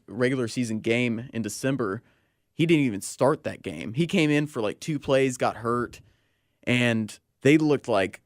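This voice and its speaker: A man's voice: medium pitch, no echo. A young man with an American accent talks sports on the radio. He chats loosely and uses plenty of slang. His voice is recorded very dry, with hardly any room sound. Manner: slangy, conversational. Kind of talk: casual sports talk radio chat.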